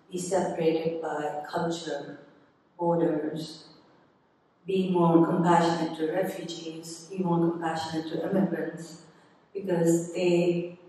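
Slow, earnest woman in echoey gallery. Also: fairly low pitch, dark tone. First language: Urdu. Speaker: exhibiting artist. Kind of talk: gallery panel talk. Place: large museum gallery, indoors. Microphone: handheld mic. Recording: echoey gallery, distant mic.

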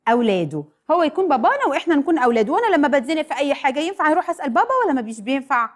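Encouraging Egyptian kids' presenter, sing-song, brisk. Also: female voice, high-pitched, sing-song. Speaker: children's show presenter. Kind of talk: teaching children.

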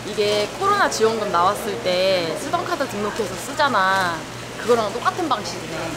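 A young woman vlogging in casual chat with her companion, relaxed and quick to laugh, recorded on a nearby camera. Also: medium pitch, a loud crowd. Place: market, car and rented lodging, indoors and out. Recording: loud background noise.

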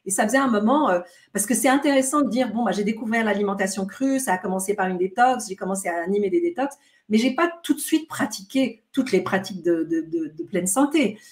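A woman's voice: mid-range voice, animated, fairly quick. A middle-aged woman with a light Swiss French accent, talking as a guest over a video call, often hesitating and restarting phrases. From France, of American parents. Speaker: guest, detox retreat organizer. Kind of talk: casual video-call interview. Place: home room.

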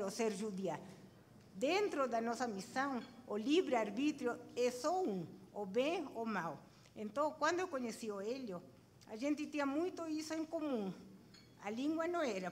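High-voiced Chilean woman in a reverberant hall. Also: lively intonation, normal speed. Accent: Chilean Spanish. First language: Spanish. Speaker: guest speaker on a forum panel. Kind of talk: personal account in an onstage interview. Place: stage in a conference hall with seated audience. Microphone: handheld microphone. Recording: reverberant hall, background room noise.

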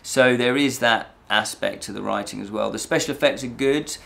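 Speaking at a moderate pace, a middle-aged man with a medium-pitched, slightly bright voice and vocal fry hosts a fantasy review show from a small indoor set with a draped backdrop. He rambles casually to camera, often repeating and rephrasing himself.

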